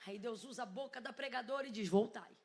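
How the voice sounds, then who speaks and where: A woman with a Brazilian accent preaching a sermon from a church stage to a congregation, speaking into a microphone and often shouting emphatic questions and calls. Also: fairly high pitch, fast talker. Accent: Brazilian Portuguese. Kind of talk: Pentecostal sermon. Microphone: handheld or headset microphone with compressor.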